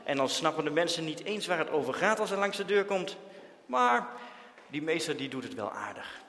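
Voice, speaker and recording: A man's voice: fairly high pitch, big pitch swings, moderate pace, big-room sound, exaggerated voice. A man voicing a snappy, jealous schoolboy. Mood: angry, indignant. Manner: loud, snapping and indignant. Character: jealous, hot-tempered schoolboy.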